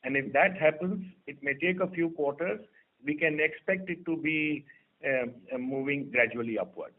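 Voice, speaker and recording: A man giving formal, unscripted business answers as a company executive, phrasing them in a deliberate, halting way. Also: on the high side. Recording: narrow telephone conference line.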